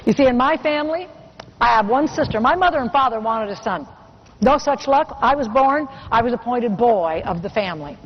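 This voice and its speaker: A woman's voice: on the high side, expressive, fairly quick, dull audio, slight background noise. A woman giving a motivational keynote speech, telling earnest personal stories and asking the audience rhetorical questions. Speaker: motivational speaker.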